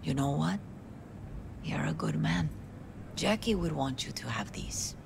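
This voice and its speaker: Gravelly, grieving Latina mother. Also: low-pitched, animated, a little slow, noisy background, heavily acted. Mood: fond. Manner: mixes Spanish words into her English. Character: bereaved Mexican-American mother, warm, proud, sharp-tongued matriarch. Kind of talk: cinematic video game acting. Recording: music behind the voice.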